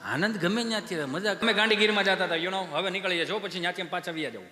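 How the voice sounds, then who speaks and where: A man's voice: sits high, rapid-fire, faint music behind. A male comedian with a Kathiawadi Gujarati accent, telling rustic comic stories on a live stage. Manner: animated storyteller, rustic dialect banter. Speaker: stand-up comedian. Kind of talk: folk stage comedy storytelling. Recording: echoey hall, live stage PA.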